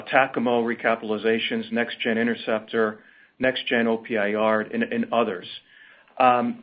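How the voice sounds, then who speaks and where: A man speaking as a company executive on an earnings call, in a measured, halting way. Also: mid-range voice. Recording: thin, band-limited phone line.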